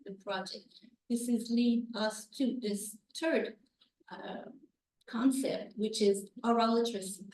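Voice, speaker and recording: A woman's voice: on the high side, a little mellow. A woman with a Quebec French accent, a native French speaker giving a hesitant academic conference talk in English with many fillers and restarts. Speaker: conference presenter, university researcher. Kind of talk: academic presentation. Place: lecture room. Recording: echoey room, speaker far from mic.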